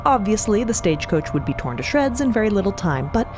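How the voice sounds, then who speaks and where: A woman's voice: mid-range voice, sing-song, fast talker. A woman giving dramatic scripted narration for a fiction podcast. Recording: voice over prominent music. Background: music.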